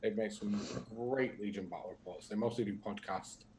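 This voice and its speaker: A man chats easily on a livestream and reads viewer comments aloud, adding his own asides. His voice sits on the low side. A faint hiss of room noise runs underneath. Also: normal speed, darkish tone. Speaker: co-host reading viewer comments. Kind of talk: casual livestream chat.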